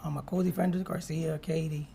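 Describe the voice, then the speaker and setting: A man's voice: on the high side, little pitch movement, brisk, creaky, mellow. A man from Miami giving sworn testimony in a courtroom, answering tersely and deferentially. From Miami, born in Puerto Rico. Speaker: witness, convicted co-defendant. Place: courtroom witness stand. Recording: noisy courtroom microphone.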